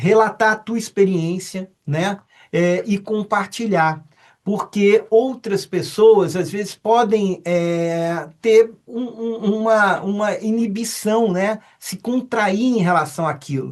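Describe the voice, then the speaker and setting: A man with a high pitch talks at a very slow pace and varies his pitch in an ordinary way. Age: 50s. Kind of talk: casual interview chat.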